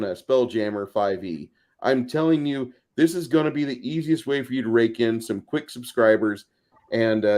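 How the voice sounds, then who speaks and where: A man's voice: mid-range voice, darkish tone. A man talking casually and emphatically as an opinionated, salty-tongued panelist on a tabletop gaming show. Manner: foul-mouthed, emphatic. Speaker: podcast panelist.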